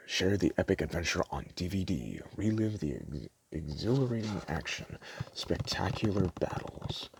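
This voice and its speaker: A man doing a soft-spoken ASMR roleplay as a store clerk, talking in a casual, hesitant, rambling way. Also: rumbling low, creaky, background noise. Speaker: ASMR creator playing a DVD store clerk.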